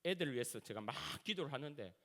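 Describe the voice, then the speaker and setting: Animated Gyeongsang-accented male pastor preaching. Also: medium pitch, fast talker. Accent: Gyeongsang Korean. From Gyeongsang region, South Korea. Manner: animated, colloquial preaching that acts out everyday scenes. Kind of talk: sermon. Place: church sanctuary. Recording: reverberant church sanctuary.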